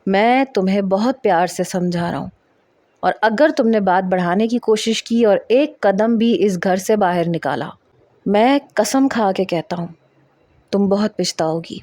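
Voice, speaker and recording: A woman voicing a rude young husband who speaks in a low, slow, menacing way in a storybook reading. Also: a little mellow, no echo, lightly acted. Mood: threatening.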